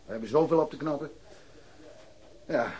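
A man's voice: a little high, normal speed, darkish tone, lo-fi sound, slight background noise, lightly acted. An actor playing a careless, defensive male policeman in a radio play, dismissive and blustering. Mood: self-excusing. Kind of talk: radio drama acting.

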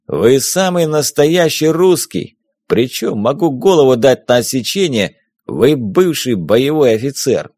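Read by a man, a jovial middle-aged smuggler captain who teases and confides with easy confidence. His voice rises and falls in lively swings, and the reading is dry and close, with no room sound. It is an audiobook character in a spaceship tale. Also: medium pitch, unhurried, dry recording. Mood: teasing. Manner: teasing, confident.

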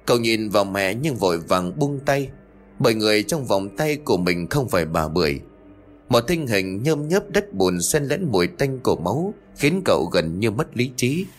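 A man narrating a horror story in a steady, suspenseful scripted way. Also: fairly low pitch, moderate pace. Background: faint music.

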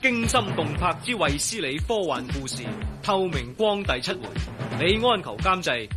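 A man's voice: a little high, sing-song, normal speed. A man with a Cantonese accent announcing the credits of a radio serial in a formal tone. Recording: over theme music.

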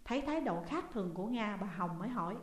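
A woman with a Southern Vietnamese accent narrating a ghost story audiobook in a steady, expressive way. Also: mid-range voice, quick pace. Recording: echoey room with long reverb.

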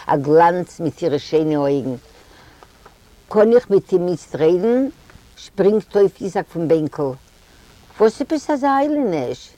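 A storyteller reading a story aloud at an unhurried pace, voicing the characters' dialogue. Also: medium pitch, dark tone.

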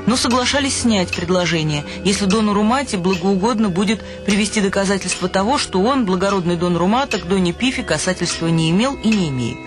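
A man narrating a literary radio play in a measured, expressive way. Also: high voice. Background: music.

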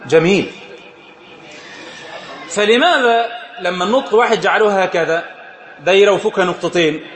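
High-voiced Egyptian sheikh in an echoey room. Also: male voice, moderate pace, long pauses, a crowd in the background, background noise. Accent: Egyptian Arabic. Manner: questioning the audience, laughing often. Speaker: sheikh teaching a religious study circle. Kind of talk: informal religious lesson.

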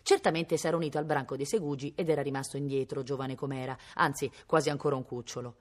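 A woman's voice: very deep voice, steady tone, fast talker. A woman reading a novel aloud expressively, now and then mimicking animal sounds. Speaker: reader. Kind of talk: read-aloud novel narration.

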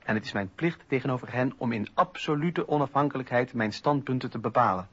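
An actor playing a principled eighteenth-century male philosopher-politician, speaking in measured, earnest, formal testimony for a radio docudrama. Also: mid-range voice, husky, natural voice. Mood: earnest conviction. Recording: dull, noisy old radio recording.

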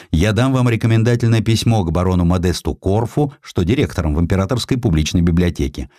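A man voicing a blunt, patronizing count in audiobook dialogue, gruff and condescending. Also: deep voice, a little mellow, dry recording, studio quality. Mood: brusque.

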